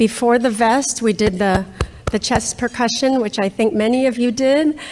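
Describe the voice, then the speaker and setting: Noticeable background noise sits behind a woman speaking with an American accent. Her pitch is high, with ordinary variation, and her pace is moderate. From US West, Los Angeles. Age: 40s. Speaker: social worker and patient speaker. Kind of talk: conference talk. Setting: conference stage with audience.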